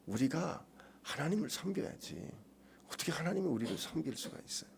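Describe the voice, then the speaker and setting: A male pastor preaching and explaining Greek words to his congregation, moving between loud emphasis and hushed, almost whispered lines. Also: on the high side, animated, brisk, creaky, slight background noise. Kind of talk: expository sermon.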